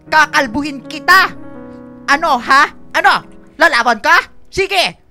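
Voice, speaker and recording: A man's voice: extremely high pitch, animated, takes it slowly, vocal fry, sharp tone, soft background music, exaggerated voice. A man acting a campy, dramatic young gay Filipino man in a radio drama, sassy and theatrical. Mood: feisty, threatening. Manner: sassy, theatrical, shrieking when flustered.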